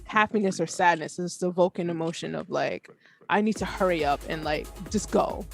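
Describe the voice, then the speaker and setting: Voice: medium pitch, normal speed, creaky. A person co-judging music on a stream, chatting casually and thinking aloud in a conversational way. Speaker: co-judge of music challenge entries. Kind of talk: casual chat and commentary.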